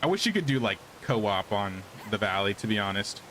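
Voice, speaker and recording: A man's voice: fairly low pitch, big pitch swings, a little fast, a bit bright, a little hiss or hum, poor audio. A man casually commenting on his gameplay during a live stream, thinking aloud and answering chat questions.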